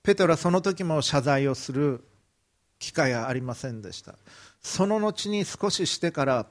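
Japanese pastor retelling a Bible story. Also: male voice, on the high side, lively intonation, moderate pace. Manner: vivid retelling, briefly acting out quoted lines. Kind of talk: sermon storytelling.

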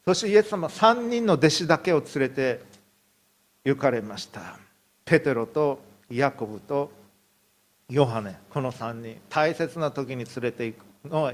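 A male pastor preaching a sermon, telling a story and acting out the people in it. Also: medium pitch. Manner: storytelling, acts out quotes.

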